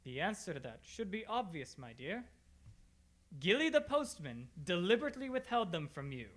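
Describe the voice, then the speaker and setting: A woman playing a brisk, confident gentleman detective who talks formally in a radio mystery play. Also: on the low side, sing-song. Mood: assured. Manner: formal, assured, explanatory. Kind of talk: old-time radio mystery theatre acting.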